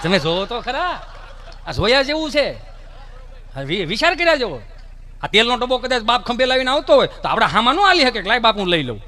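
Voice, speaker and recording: A man telling folk comedy stories on stage, animated and putting on voices. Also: very high voice, fairly quick. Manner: animated, acts out voices, rustic asides. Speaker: stand-up comedian. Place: live stage show.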